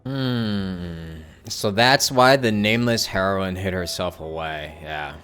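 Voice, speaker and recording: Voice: deep voice, slow, fairly bright tone, slight background noise. A game streamer chatting casually, musing aloud and reacting to the game. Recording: faint game music behind.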